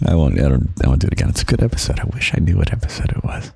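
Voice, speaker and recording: A young man hosting a podcast of gentle, half-whispered comfort talk, slow and soft with quiet chuckles, close to the microphone. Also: rumbling low, sing-song, gravelly, a little hiss or hum. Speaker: podcast host.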